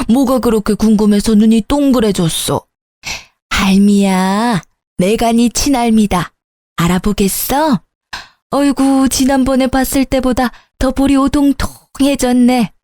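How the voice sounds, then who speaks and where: A woman's voice: a little high, warm tone, dry recording, studio quality, close to an everyday voice. A woman voicing a repentant old grandmother who fusses and coos over a newborn, in a storybook reading. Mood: doting. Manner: fussing, cooing. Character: doting old grandmother, repentant, chattering to a baby.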